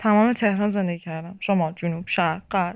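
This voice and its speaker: A woman's unremarkable speaking voice at medium pitch, moving at a moderate pace. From Iran, Tehran. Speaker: podcast guest sharing life story. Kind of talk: casual interview conversation.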